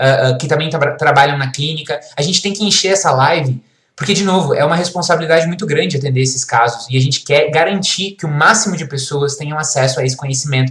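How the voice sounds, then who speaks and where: With an animated tone and fairly high pitch, a man speaks fairly quickly with ordinary pitch variation. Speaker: psychology teacher. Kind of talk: live online lecture. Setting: YouTube livestream.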